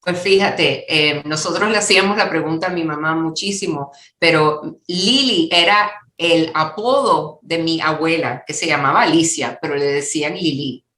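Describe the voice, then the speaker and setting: A woman's voice: deep voice, moderate pace, few pauses, sharp tone, reverberant. A woman in her sixties from Miami, born in Cuba, with a Cuban-American accent, telling personal stories conversationally as an interview guest. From born in Cuba, raised in Miami. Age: 60s.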